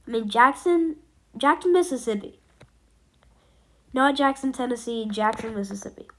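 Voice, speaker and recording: A woman's voice: fairly high pitch, normal speed, slight background noise. A woman giving a casual storm update as an amateur weather forecaster, rambling and hesitant with many fillers, while she has a cold.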